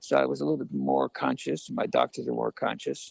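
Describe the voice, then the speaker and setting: The sound is dry and close, with no echo. A man speaks in a very deep, low pitch with monotone, flat intonation. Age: 70s. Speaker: rabbi. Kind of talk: interview. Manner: halting.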